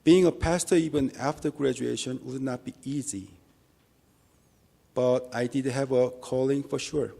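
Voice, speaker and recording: A man with a Korean accent gives a church testimony in English, speaking slowly and with real care. His voice is mellow and carries a gravelly edge, and he restarts phrases now and then in an earnest, halting way. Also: medium pitch. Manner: earnest, halting, measured delivery with small restarts. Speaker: lay minister giving testimony.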